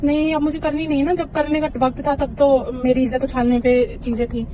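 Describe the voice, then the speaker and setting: A woman's voice: sits high, level tone, brisk, crowd noise. A woman arguing on a recorded phone call, insistent and accusing, repeating her complaints. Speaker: caller in recorded phone dispute. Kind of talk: heated phone argument.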